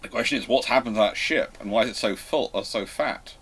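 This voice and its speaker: A man hosting a live question and answer stream in a casual way, halting as he thinks aloud. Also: mid-range voice, gravelly, fairly bright tone, husky.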